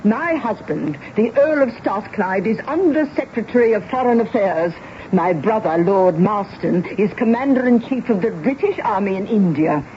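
A woman's voice: mid-range voice, expressive, normal speed, lightly acted. Woman as haughty British lady, muffled radio. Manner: pompous, demanding. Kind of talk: radio drama acting. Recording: muffled old radio broadcast, faint noise.

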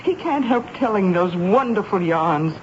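A woman's voice: mid-range voice, lively intonation, unhurried, lightly acted. An actress playing a doting, apologetic mother, fussing and gushing in a 1970s radio drama. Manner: fussing, gentle, gushing with many ohs. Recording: dull, noisy vintage radio broadcast.

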